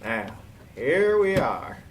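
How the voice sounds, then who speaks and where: A man's voice: medium pitch, very animated, slow pace. A man playing a nervous husband in an amateur radio-style mystery play. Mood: cheerful. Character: nervous husband shocked by his wife's murder. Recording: distant mic with faint background noise.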